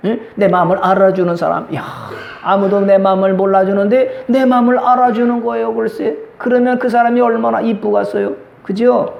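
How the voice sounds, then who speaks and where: High-voiced gravelly male pastor. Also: a little fast, hardly any pauses, echoey room, lo-fi sound, a little hiss or hum. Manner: lively, acts out quoted dialogue. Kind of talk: sermon. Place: church sanctuary.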